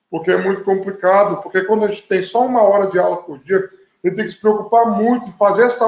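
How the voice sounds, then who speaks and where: With ordinary pitch variation, a man talks in a high voice. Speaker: online course instructor. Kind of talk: online class. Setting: home studio, video stream. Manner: loud; animated.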